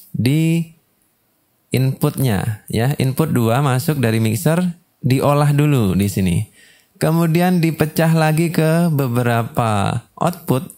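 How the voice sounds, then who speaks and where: A man's voice: fairly low pitch, a little mellow. A man presenting a casual tutorial and product review, explaining things step by step to viewers he addresses as friends.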